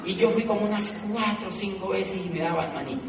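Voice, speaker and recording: A middle-aged Colombian man telling a live motivational story, animated, repeating phrases and laughing at himself. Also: sits high, brisk, gravelly. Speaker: motivational speaker. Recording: echoey hall, from far off, noisy.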